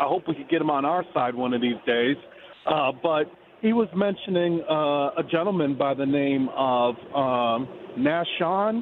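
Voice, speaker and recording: In an American accent, an ordinary speaking voice moves at a fairly slow pace with ordinary pitch variation. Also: man, fairly high pitch for a man. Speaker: caller. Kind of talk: call-in question. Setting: phone call. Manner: friendly, casual.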